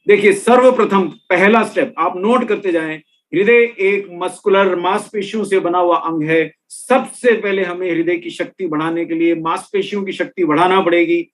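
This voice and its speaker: A middle-aged man presenting a health and nutrition talk, explaining step by step and speaking straight to his listeners. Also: sits high. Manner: explanatory, addresses listeners directly. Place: room with products on shelves behind.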